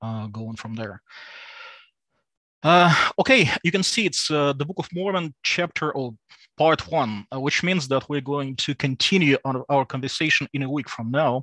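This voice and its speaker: With a Russian accent and a bright, sharp tone, the voice moves at a moderate pace with ordinary pitch variation, in a dry, close sound with no echo. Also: man. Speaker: apologetics researcher. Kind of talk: lecture. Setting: live stream. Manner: halting, many fillers.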